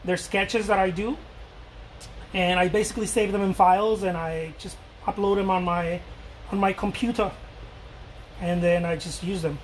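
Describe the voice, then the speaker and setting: A man's voice: high-pitched, steady tone, moderate pace, pauses often, slight background noise, low-quality recording. A man from Mexico chatting casually while he paints live, rambling and joking and answering viewer questions as he goes.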